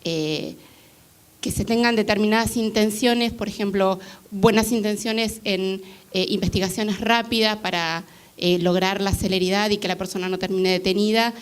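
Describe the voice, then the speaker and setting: A woman's voice: medium pitch, fairly even intonation, normal speed, smooth. A woman giving a comment from the audience at a law panel, hesitant and full of filler sounds. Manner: hesitant, many filler "eh"s and restarts. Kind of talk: public Q&A comment. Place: university lecture hall.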